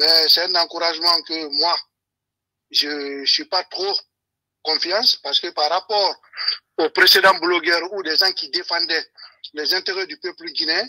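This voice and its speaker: Long pauses come often in this fairly slow speech. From Guinea. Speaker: caller. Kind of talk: call-in political debate. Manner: halting.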